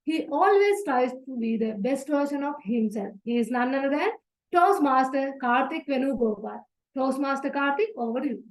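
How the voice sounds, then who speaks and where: A woman as sergeant at arms, opening an online club meeting with formal, measured announcements on a video call. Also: high-pitched, lively intonation, poor audio.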